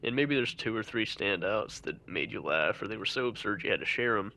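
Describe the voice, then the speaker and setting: A young man with a stuffy, nasal voice, sniffling as he gives an earnest, measured reflective monologue, with some restarts. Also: lowish voice, expressive, gravelly, bright, forceful tone. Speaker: channel host.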